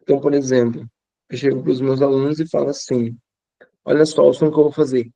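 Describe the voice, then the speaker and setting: A man's voice: mid-range voice, level tone, a little fast, gravelly, dark tone, dry recording. A male teacher with a Brazilian accent, explaining classroom methods conversationally and repeating phrases for emphasis. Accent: Brazilian Portuguese. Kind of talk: teaching tips to fellow teachers.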